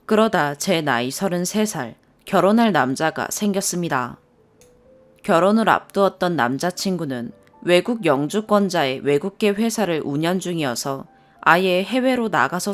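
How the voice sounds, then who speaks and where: A woman narrating a first-person story in a calm, even reading voice. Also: lowish voice. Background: soft background music.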